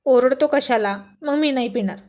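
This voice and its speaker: A woman's voice: a little high, measured pace, close to an everyday voice. A woman voicing a sweet, pleading young wife in a storybook reading. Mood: whiny.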